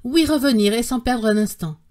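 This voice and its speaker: A woman's voice: fairly high pitch, normal speed, a little mellow, close to an everyday voice. A woman voicing a desperate, exhausted young man in an audiobook, pleading urgently with a raised voice. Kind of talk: audiobook character reading.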